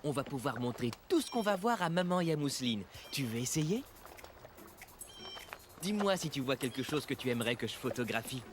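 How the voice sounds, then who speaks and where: A man's voice: medium pitch, very animated, brisk, background noise, natural voice. A man playing a helpful, patient cartoon father who explains things encouragingly. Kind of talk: cartoon dubbing.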